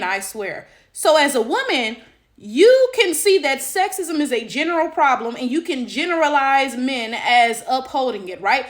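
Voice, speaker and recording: A woman, giving casual, emphatic commentary with sassy slang and rhetorical check-ins. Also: high voice. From Detroit, United States. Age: late 20s. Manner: blunt, sassy, slangy, swearing. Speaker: social media commentator. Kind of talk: casual opinionated commentary to camera.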